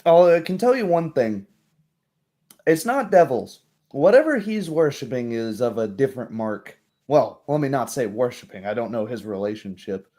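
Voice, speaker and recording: A man's voice: medium pitch, very animated, dark tone, lightly acted. A man playing a guarded, plain-spoken townswoman in a tabletop game, hesitant and choosing words with care. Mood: wary, hushed. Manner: hesitant, measured, picking words carefully. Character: guarded, plain-spoken townswoman talking over local mysteries.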